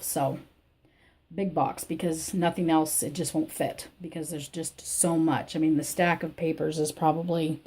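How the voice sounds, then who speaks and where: Crafty lady with a croaky scratchy voice, kinda low and mellow, rambling chat from her craft room. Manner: rambling and chatty, with many fillers. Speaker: crafting channel host. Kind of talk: casual personal update chat.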